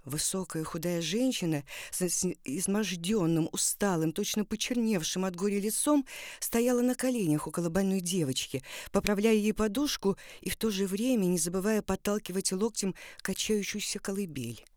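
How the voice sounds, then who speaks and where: A woman narrates literary prose dramatically, her delivery deliberate and expressive at a medium pitch. The recording is dry and close.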